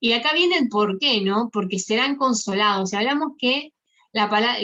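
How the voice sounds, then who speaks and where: At a moderate pace, a woman speaks with fairly high pitch in a plain, everyday voice. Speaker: youth group preacher. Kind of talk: sermon.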